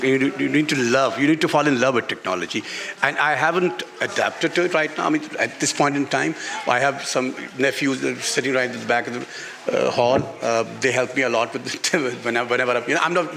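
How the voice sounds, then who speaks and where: A man with a Pakistani accent speaks off the cuff as an interviewed author. His voice is bright and forceful at an average male pitch, and he halts, restarts and repeats phrases for emphasis. The sound rings with long reverb, as from a public-address system. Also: expressive, fast talker, vocal fry. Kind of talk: unscripted on-stage literary interview. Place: literature festival stage before an audience.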